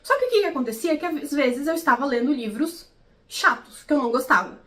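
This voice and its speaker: A woman's voice: high voice, expressive, fast talker, fairly bright tone. A young woman vlogging casually about books in a chatty, explanatory way, often checking in with her viewers. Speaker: book vlogger. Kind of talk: casual vlog commentary.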